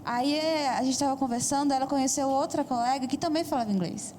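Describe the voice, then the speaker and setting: A woman's voice: high voice, quick pace, a little mellow, slight background noise. A Brazilian woman, a student guest on a talk show, telling a casual story in a chatty, self-conscious way.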